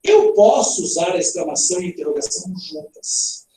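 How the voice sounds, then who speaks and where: Guy teaching a grammar class, bouncy up and down voice, kinda mellow, sounds far off in a big echoey room. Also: sits high, a little fast. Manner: lively and playful, quizzes students with questions. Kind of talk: recorded online grammar lesson. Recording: roomy echo, heard from a distance.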